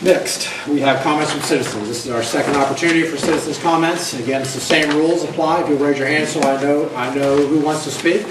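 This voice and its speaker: A man chairing a city council meeting, giving brisk, routine procedural instructions. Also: fairly high pitch, fairly even intonation. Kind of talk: procedural announcement. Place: council chamber. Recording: distant, echoey room, loud noise.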